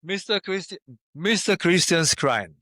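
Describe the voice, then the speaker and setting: A man's voice: high-pitched, lively intonation, a little slow, pushed and bright, no room sound, studio quality. A man introducing a guest on stage in slightly broken English. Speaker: presenter.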